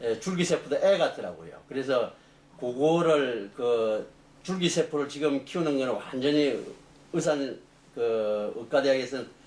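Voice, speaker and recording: A man's voice: mid-range voice, animated, moderate pace, a little mellow, roomy sound. A middle-aged man, an engineering professor, answering interview questions in long explanations full of fillers and restarts.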